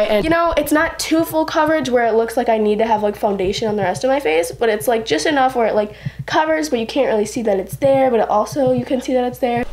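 Teenage girl, slightly high voice, casual rambling vlog chat, sick with a cold, close camera mic, bedroom. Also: a little mellow, slight background noise. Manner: rambling, heavy use of "like". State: sick with a cold and sore throat. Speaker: vlogger. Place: bedroom indoors. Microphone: camera mic close in front of speaker.

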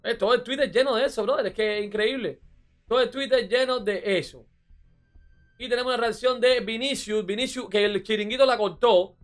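Excitable high-voiced man reacting, music behind. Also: brisk. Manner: excitable, repeats phrases, says "bro" often. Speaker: reaction streamer. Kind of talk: casual reaction commentary.

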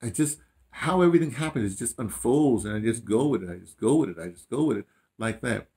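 This man, an audio dramatist around his late sixties (60s or 70s), tells his life story in a casual chat indoors at home in a small room. His mid-range voice moves briskly as he animatedly repeats phrases and quotes himself.

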